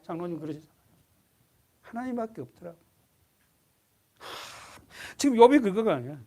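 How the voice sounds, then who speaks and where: A middle-aged man preaching a Sunday sermon in church, asking the congregation questions and having them underline verses, his voice rising to loud emphasis and dropping to near-whispers. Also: high-pitched, expressive, normal speed. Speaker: pastor. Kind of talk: expository sermon. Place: church sanctuary.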